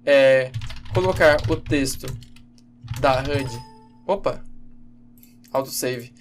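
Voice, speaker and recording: A man giving a casual, halting screen-recorded programming lesson, with many fillers and self-corrections. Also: medium pitch, soft background music. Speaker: game development instructor.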